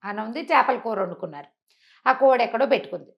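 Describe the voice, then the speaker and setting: A woman's voice: a little high, animated, quick pace, muffled recording. A woman telling a folk story conversationally, acting out the dialogue and asking rhetorical questions as she explains.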